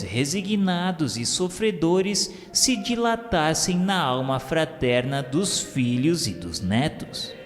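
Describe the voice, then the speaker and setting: Slow, solemn Brazilian male narrator in long reverb. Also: a little high. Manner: formal, measured, declamatory. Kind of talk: solemn scripted narration of a radio novela. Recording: long reverb, music behind. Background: music.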